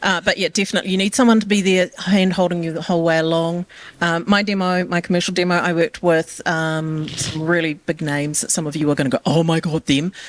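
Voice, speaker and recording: A woman with a New Zealand accent at a very fast pace, fairly low in pitch, with ordinary pitch variation. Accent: New Zealand (Kiwi). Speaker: voice actor. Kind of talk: panel remarks at a conference talk.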